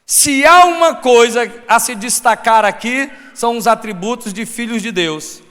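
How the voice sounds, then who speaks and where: A man preaching a sermon as pastor, with a Brazilian Portuguese accent, swinging between shouted points and soft asides. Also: extremely high pitch, a little slow. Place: church hall. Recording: long church reverb.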